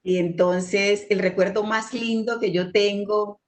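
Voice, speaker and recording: A middle-aged woman from Chocó, a dancer and teacher, telling childhood memories at an unhurried pace with many soft pauses. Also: mid-range voice, steady tone. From Chocó, Colombia. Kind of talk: panel talk, personal memories.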